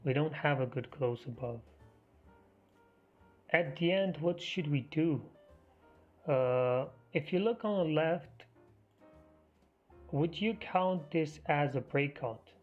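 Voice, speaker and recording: A man hosting a live trading stream, half losing his voice, talking through the market in a halting, think-aloud way. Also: fairly high pitch. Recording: muffled stream audio with faint music.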